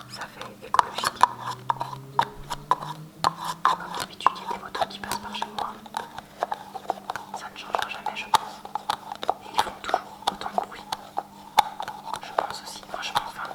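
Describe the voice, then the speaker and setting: A woman's voice: moderate pace, long pauses. Whispering woman, ASMR unboxing. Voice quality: breathy whisper. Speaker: ASMR video creator showing purchases. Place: at home.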